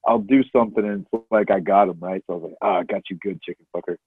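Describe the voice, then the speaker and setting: A man's voice: low voice, steady tone, fast talker, slightly rough, dry recording. A man co-hosting a movie podcast, laid-back and quoting films in casual chat. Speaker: podcast co-host. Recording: tinny phone-like line.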